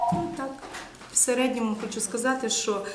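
Audible room echo and light background noise surround a woman speaking at a fairly high pitch. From western Ukraine. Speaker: care home director, job candidate. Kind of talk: job interview presentation. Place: meeting room. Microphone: camera far.

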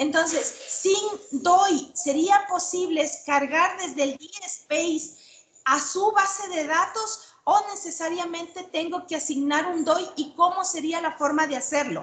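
Fairly slow speech with hardly any pauses and ordinary pitch variation. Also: woman, extremely high pitch for a woman. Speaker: journal editor. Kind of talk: questions in online session. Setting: video call. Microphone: video call.

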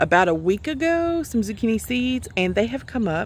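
A woman talks at a fairly slow pace over light background noise. The sound is dry, without any echo. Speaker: home gardener vlogger. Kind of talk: casual vlog chat. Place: garden. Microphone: phone near.

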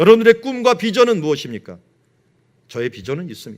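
A man is speaking. His pitch swings very widely. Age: 50s. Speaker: pastor. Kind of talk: sermon.

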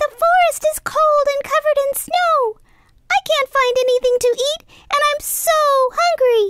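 A woman's extremely high, cartoonish character voice at a moderate pace. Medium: puppet.

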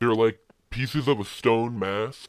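Fairly slow pace in a put-on character voice. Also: man, medium pitch for a man. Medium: fan dub. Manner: casual, slangy.

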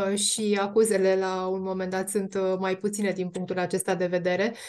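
Here a woman talks at a fairly slow pace. Her pitch is medium. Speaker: former ministry civil servant. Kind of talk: panel discussion. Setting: video call. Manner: halting, many fillers.

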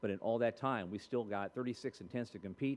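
In a normal speaking voice, a man talks at a fairly quick pace, his pitch varying in an ordinary way. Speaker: competition host at podium. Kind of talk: conference presentation. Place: hall.

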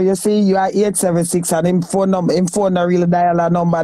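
Speaking with a Jamaican accent, a man uses a high pitch and a fairly quick pace. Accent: Jamaican Patois-inflected English. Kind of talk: casual chat. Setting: video call.

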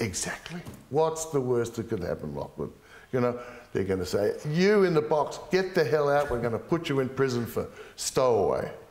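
Lively intonation from a man with an Australian accent, fairly high pitch and a moderate pace. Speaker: adventurer recounting his life. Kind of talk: interview. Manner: halting. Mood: reflective, candid storytelling. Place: home room.

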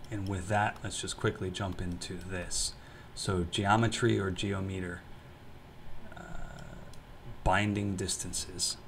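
Very deep and low-pitched, a man's somewhat breathy voice holds a monotone, flat intonation with long, frequent pauses and audible room echo. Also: fairly slow pace. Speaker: video essayist. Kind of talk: lecture. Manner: halting.

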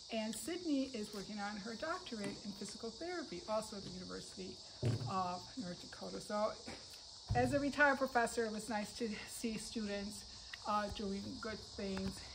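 Noticeable background noise fills the clip. A woman speaks at a moderate pace. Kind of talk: casual vlog chat. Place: open country.

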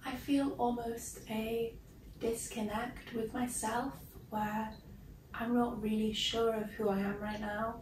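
A woman speaks at a fairly slow pace, with light background noise and audible room echo. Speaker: student vlogger. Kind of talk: casual vlog chat. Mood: reflective, a bit unsure. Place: home room. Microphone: camera far.

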